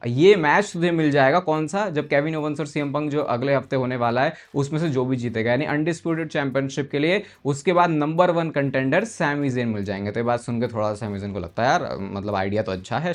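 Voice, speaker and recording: A man in a casual, excited recap of a wrestling show, chatting with the viewer and mixing in English words. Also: mid-range voice. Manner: chatty, mixes in English words, calls the listener "bhai".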